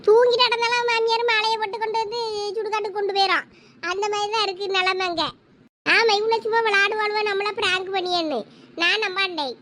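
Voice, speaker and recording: A woman voicing gossiping adult women in a cartoon comedy, speaking a with lively banter. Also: very high voice, fairly quick, slight background noise. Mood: alarmed doubt.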